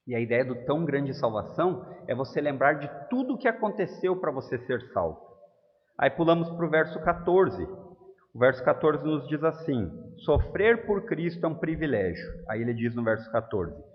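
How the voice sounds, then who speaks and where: Male Brazilian pastor, lively intonation, emphatic preaching with questions to the pews, long church reverb. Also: medium pitch, normal speed. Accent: Brazilian Portuguese. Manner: emphatic, asks the congregation questions. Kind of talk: expository sermon. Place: church hall. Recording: dull, reverberant church recording.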